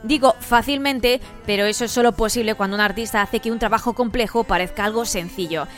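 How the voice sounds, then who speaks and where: A woman with a fairly high voice narrates a scripted radio piece. Her read is smooth and measured. Quiet music plays under her. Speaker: radio reporter.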